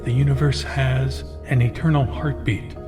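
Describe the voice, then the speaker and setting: A man's voice: medium pitch, steady tone, normal speed. A man giving dramatic scripted trailer narration, with guitar music behind his voice. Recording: slightly distant, loud guitar music behind.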